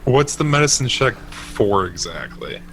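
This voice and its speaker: A man's voice: mid-range voice, lively intonation, measured pace, a bit bright, slight background noise. A man playing a tabletop role-playing game, casual in his banter, grumbling and questioning.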